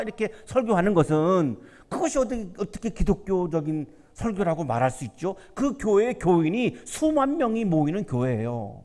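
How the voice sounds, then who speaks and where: A man preaching a sermon as pastor, talking conversationally and asking rhetorical questions. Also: high voice. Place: university church sanctuary. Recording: church hall reverb.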